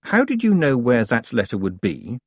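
A man's voice: medium pitch, huge pitch swings, moderate pace, no echo, studio quality, pitched above the performer's own voice. A man voicing an earnest, easily indignant young girl, an apprentice witch in a storybook. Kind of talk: acted storybook dialogue.

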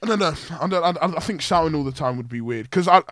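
A young man, chatting loudly on a podcast and often restarting his sentences. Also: fairly high pitch, animated, fast talker, dry recording, studio quality. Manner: loud, projecting voice, stumbling restarts. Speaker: podcast host. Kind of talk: casual chat.

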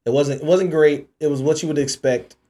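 A man's voice: a little high, fairly even intonation, fairly quick, mellow. A man co-hosting a podcast, talking in loose, profane banter and laughing often. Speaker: podcast co-host. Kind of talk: casual chat.

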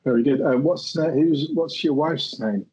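A man's voice: on the high side, normal speed, mellow, husky, rough recording. A man running a tabletop game as game master, hesitant and full of ums as he sets the scene. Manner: hesitant, many ums and uhs.

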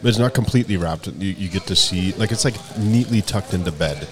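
A man's voice: low-pitched, expressive, a little fast, a crowd in the background. A man chatting casually and describing a burger in detail as he eats it. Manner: descriptive, enthusiastic about the food. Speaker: co-host of a food review show. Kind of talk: casual chat while eating.

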